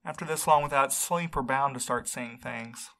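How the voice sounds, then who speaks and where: A man's voice: mid-range voice, moderate pace, sharp tone. A man playing an exhausted, worried courier in an audio drama, earnest and weary in manner. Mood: resigned. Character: exhausted, worried male courier missing his partner. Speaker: actor in a fiction podcast. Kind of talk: naturalistic audio drama acting.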